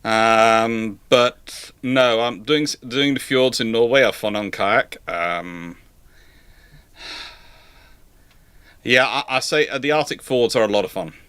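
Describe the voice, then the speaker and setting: A man's voice: medium pitch, slow pace, pauses often, a bit bright, clean tone, no echo. A man hosting a live question-and-answer session, speaking unscripted in a rambling, self-correcting way as he thinks aloud.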